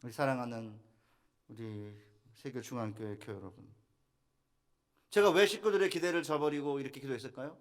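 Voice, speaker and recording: A man's voice: medium pitch, fairly quick, pauses often. A middle-aged man, a pastor, preaching a revival sermon in a church, telling a family story and quoting prayers with rising emphasis. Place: church sanctuary.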